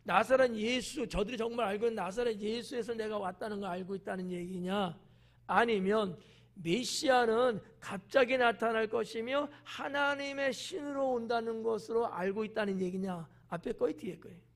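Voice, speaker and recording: A man's voice: high voice, moderate pace. A male pastor giving a conversational sermon, explaining the passage and asking the congregation questions. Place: church.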